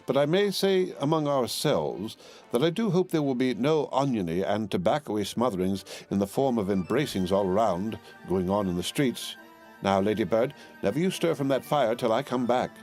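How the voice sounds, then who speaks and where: A man voicing a fussy, fiercely loyal middle-aged woman servant who talks brisk and emphatic. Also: lowish voice, darkish tone, voice pushed up, natural voice.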